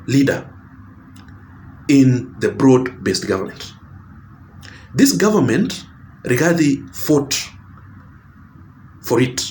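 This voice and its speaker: A man's voice: mid-range voice, a little mellow, slight background noise. A man with a Kenyan accent delivering a political commentary monologue to his viewers. He talks emphatically, repeats his points and often corrects himself mid-sentence.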